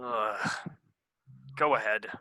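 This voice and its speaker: A man's voice: fairly low pitch, slow pace, bright, forceful tone, no echo, full character voice. A man playing an exasperated newlywed game show host in a comedy sketch reading.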